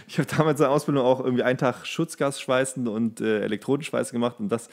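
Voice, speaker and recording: A man with a mid-pitched voice talks as a podcast co-host. He rambles with enthusiasm and slang, keeping the chat casual and comedic. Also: steady tone, fast talker, very noisy.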